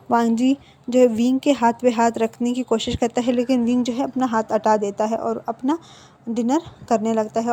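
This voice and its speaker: A woman's voice: a little high, warm tone. A woman retelling a fan fiction story conversationally, with fillers and self-corrections.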